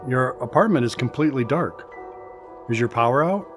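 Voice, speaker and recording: A man's voice: mid-range voice, animated, a little fast, soft background music, close to an everyday voice. A man playing a helpful, protective neighbour in a horror game. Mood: concerned.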